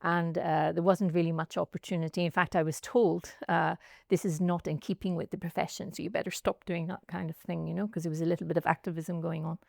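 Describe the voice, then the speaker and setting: A woman with a Northern Irish accent, a guest in an interview, telling her story in a reflective, unhurried way outdoors by a pool. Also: lowish voice, little pitch movement, creaky, no echo, studio quality. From Northern Ireland. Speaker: guest, chartered accountant and academic. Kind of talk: conversational interview answers.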